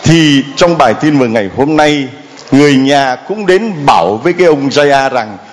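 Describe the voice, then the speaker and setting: A man's voice: mid-range voice, lively intonation, moderate pace. A middle-aged man, a Catholic priest, giving a playful homily in church that quizzes the children and calls on the congregation to answer.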